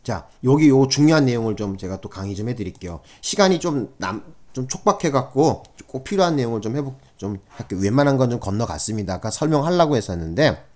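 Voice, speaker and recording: A man's voice: mid-range voice, expressive, fast, hardly any pauses, a little mellow. A middle-aged man lecturing on criminal law for exam candidates in a conversational way, with frequent fillers and checks for agreement.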